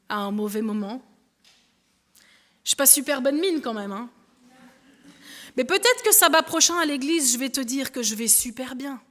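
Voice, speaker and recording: A woman giving a lively, conversational sermon, talking through an illustration with a helper and the congregation. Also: high voice. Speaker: preacher. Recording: long hall reverb.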